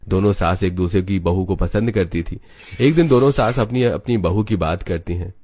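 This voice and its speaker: Low-voiced male story narrator. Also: moderate pace, dry recording. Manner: steady, storytelling.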